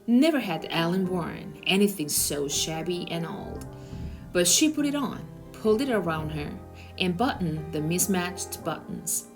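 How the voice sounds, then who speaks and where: A woman reads a children's novel aloud as its narrator. Her voice sits a little low, with soft music playing behind it. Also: lively intonation, unhurried.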